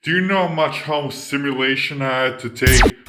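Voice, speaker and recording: A man's voice: medium pitch, moderate pace, over music, close to an everyday voice. A man voicing a stubborn, defensive character in a fan parody cartoon dub.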